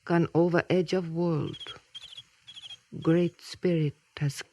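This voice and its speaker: An actress playing a young Native American woman in love, solemn and tender, speaking halting simplified English in a 1950s radio drama. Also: lowish voice, level tone, mellow, a little hiss or hum.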